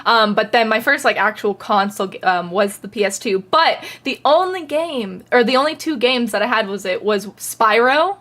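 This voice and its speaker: A woman's voice: fairly high pitch, expressive, moderate pace, hardly any pauses, fairly bright tone. A woman in her early twenties, a podcast guest telling stories in a giggly, rambling way. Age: 20s. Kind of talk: casual chat.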